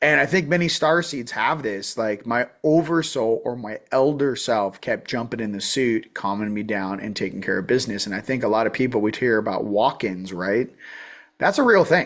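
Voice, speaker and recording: Animated in tone, a man with a Californian accent talks at a moderate pace and medium pitch, with lively intonation. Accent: Californian American. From Southern California (Orange County). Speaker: spiritual teacher. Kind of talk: podcast interview. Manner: casual.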